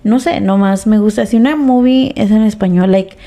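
A woman and mother of teenagers in casual podcast chat, reflective and relaxed, slipping English phrases into her speech. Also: mid-range voice, normal speed. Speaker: podcast co-host.

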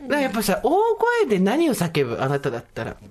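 Lively, fast-talking woman podcast host. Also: medium pitch. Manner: animated, acts out quoted voices with laughter. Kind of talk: casual chat.

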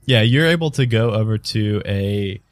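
A man's voice: fairly low pitch, expressive, moderate pace, no room sound. A man narrating as game master in a tabletop game, casual and loose, with lots of fillers.

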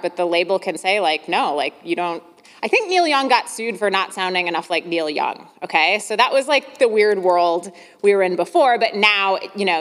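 A woman with a medium-pitched voice speaks as a podcast host. She is encouraging and emphatic, and her voice carries a long, hall-like reverb. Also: a bit bright. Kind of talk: scripted monologue, then conversational interviewing.

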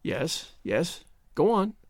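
A man playing an intense, stern young man in a storybook reading, speaking with forceful, urgent commands. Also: sits high, big pitch swings, slow, no room sound, studio quality, exaggerated voice. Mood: firm, desperate. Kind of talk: dramatised audiobook story reading.

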